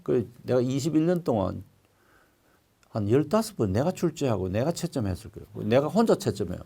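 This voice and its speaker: An older male pastor preaching a sermon, telling stories with sudden loud, emphatic swells. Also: mid-range voice, big pitch swings, fairly quick, gravelly, husky.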